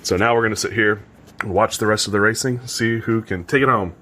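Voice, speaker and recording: Hoarse, excited man vlogging. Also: lowish voice, fairly quick, slight background noise. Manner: excited, chatty, laughs often. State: hoarse from screaming. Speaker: drone racing vlogger. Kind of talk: casual vlog chat.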